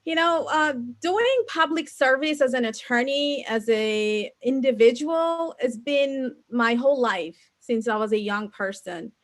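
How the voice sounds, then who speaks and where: A woman's voice: high-pitched, a little slow, hardly any pauses. A woman from Bangladesh, a council candidate and attorney, answering interview questions earnestly over a video call and listing names and groups one by one.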